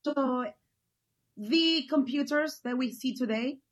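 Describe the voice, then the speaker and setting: Enthusiastic woman from Ecuador, fairly high voice. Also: takes it slowly. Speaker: guest. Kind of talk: casual conversational interview.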